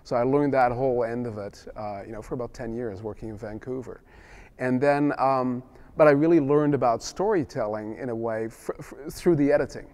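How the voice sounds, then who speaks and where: A man's voice: mid-range voice, moderate pace, a little mellow. A middle-aged man from the Netherlands whose first language is Dutch, answering interview questions casually and rambling with many restarts and fillers. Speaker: film director.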